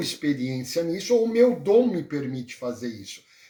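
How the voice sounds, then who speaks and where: A man's voice, fairly high in pitch, at a moderate pace with lively intonation. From Brazil. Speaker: pastor. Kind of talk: interview. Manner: halting.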